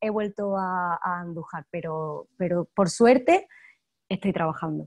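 With a quiet background, a woman speaks fairly slowly and with lively intonation. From Andalusia, Jaén province (Andújar); Andalusia, Spain. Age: 20s. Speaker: actress; actress interviewee. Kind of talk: interview. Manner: halting. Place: home room. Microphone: earbuds.

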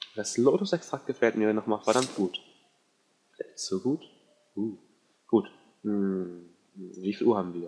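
A man speaks at a fairly slow pace with long, frequent pauses. His tone is dark and mellow, his pitch fairly low with ordinary variation. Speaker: gaming video creator. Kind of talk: let's play commentary. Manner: previously too quiet, now trying to speak louder. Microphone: background hiss removed, sound slightly distorted.

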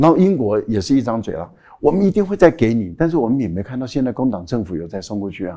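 Speaking at a fairly quick pace, a man uses lively intonation in a dark, mellow tone over a quiet background. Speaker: political commentator. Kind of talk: talk show panel discussion. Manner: animated. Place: studio. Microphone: lapel.

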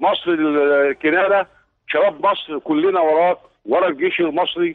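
His pitch is high. This man's pitch varies in an ordinary way. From Egypt, Monufia. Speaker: caller, lawyer. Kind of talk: call-in. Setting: phone call. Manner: animated.

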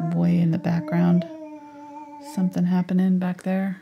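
Soft-spoken, this woman has a fairly low-pitched voice. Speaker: painting teacher. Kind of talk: live painting tutorial.

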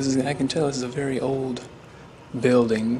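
A man at a moderate pace in a monotone, flat intonation, against noticeable background noise. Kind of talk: casual vlog commentary. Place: church. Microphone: phone near.

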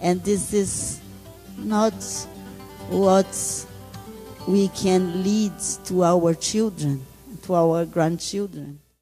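The speech is very slow, with long, frequent pauses and fairly even intonation. Loudness stays very even, with faint music in the background. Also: woman, fairly low pitch for a woman. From Brazil. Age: old. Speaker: spiritual healer and ceremony leader. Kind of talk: spiritual teaching talk. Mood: calm, earnest, reflective. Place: hall. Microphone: handheld.

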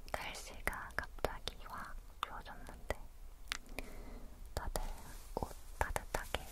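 Soft-spoken and breathy, the voice is whispering at a very slow pace. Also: woman. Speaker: ASMR creator. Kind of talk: soft-spoken ASMR intro chat. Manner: soft, breathy ASMR near-whisper. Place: home room.

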